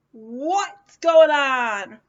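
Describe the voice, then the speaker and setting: A woman with a high voice talks in a casual, rambling vlog style. She is playful and blunt, swears freely, and often stalls and repeats words while finding her thought. The recording is a little dull and lo-fi. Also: expressive, a little hiss or hum. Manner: halting, repeats words while searching for them. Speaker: vlog host. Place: indoors, lying in a hospital bed with a fan running.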